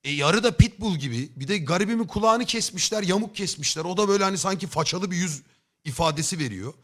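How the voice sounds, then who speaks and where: A man in a casual livestream tells a story in a bright, slightly high voice that swings up and down with a lot of expression. He talks bluntly, swears freely and exaggerates for comic effect. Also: animated, fast talker. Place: home streaming setup.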